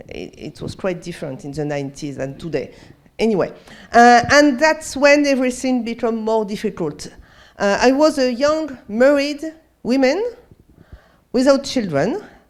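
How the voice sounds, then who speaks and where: With a French accent, a woman speaks at a moderate pace in a high pitch, with very wide pitch swings and big swings in loudness. Long, frequent pauses break her speech, and audible room echo surrounds it. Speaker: sociologist. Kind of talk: lecture. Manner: hesitant non-native English.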